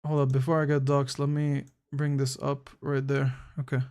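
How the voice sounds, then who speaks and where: A man's voice: medium pitch, completely flat delivery, normal speed, darkish tone, clean tone. A young man from the United Arab Emirates chatting casually with viewers on a live stream, easygoing and slangy, thinking aloud with frequent restarts. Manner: laid-back, slangy, calls chatters bro.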